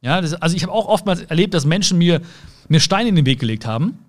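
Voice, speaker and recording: A man speaking directly to the listener in a motivational monologue, earnest, with repeated phrases, slowing right down on some words and rushing through others. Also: a little high, animated. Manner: earnest, swings between soft slow words and quick asides.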